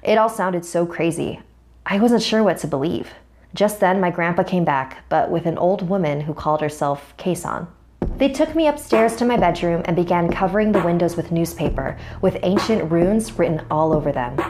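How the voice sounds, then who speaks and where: A young woman telling a scary first-person story in a measured, suspenseful way, narrating over a music bed. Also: lowish voice, a little mellow.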